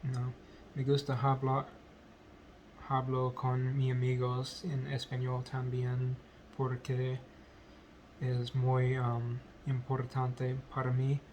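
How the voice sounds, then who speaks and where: Hesitant man, very slow and flat. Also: mid-range voice, a little hiss or hum, rough recording. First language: English. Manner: hesitant, many ums and self-corrections. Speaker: language learner vlogger. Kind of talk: halting unscripted speech practice.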